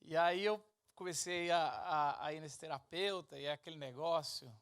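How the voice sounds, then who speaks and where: A man's voice: on the high side, normal speed, clear, resonant tone. Brazilian man preaching informally through comic stories. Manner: self-deprecating, animated, conversational. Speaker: speaker at a church event. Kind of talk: informal sermon with comic personal storytelling.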